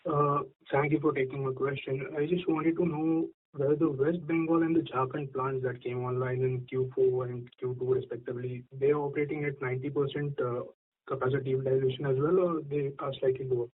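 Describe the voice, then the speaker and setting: A man's voice: mid-range voice, fairly even intonation, brisk. A man asking questions as an investor on an earnings call, speaking over the telephone. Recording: thin phone line.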